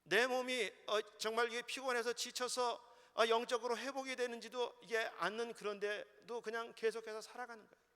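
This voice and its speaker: A male pastor preaching a sermon in a church, swinging between loud exhortation and hushed asides. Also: sits high, clean tone. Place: church sanctuary. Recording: long hall reverb of a church.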